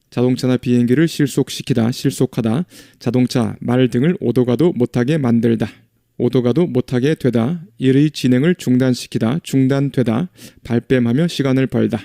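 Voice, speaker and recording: A man teaching English vocabulary, reading each example sentence slowly and then explaining its meaning. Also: mid-range voice, mellow, dry recording, studio quality. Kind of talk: vocabulary lesson.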